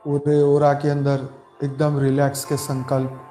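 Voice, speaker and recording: A man speaking as a meditation guide, calm and soothing, giving slow, repetitive instructions with long pauses in Hindi. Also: medium pitch. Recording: roomy echo with background music. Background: meditation music.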